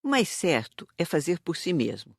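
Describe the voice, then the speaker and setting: A woman with a Brazilian accent playing a calm, didactic spirit teacher in an audiobook drama. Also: lowish voice, creaky, breathy edge, dry recording, clean studio sound, heavily acted. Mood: instructive, earnest. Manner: didactic, measured.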